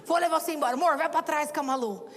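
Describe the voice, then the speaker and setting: A woman's voice: high-pitched, racing. Woman quoting an earnest, insistent husband. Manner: insistent, fervent. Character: earnest husband urging a stranger home. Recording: long hall reverb with soft background music.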